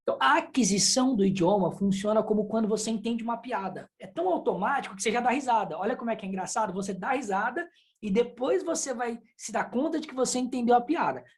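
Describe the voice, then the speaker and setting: A woman's voice: on the high side, lively intonation, quick pace. A woman from Brazil, a sign language teacher, giving a casual online lesson and explaining with chatty examples and asides.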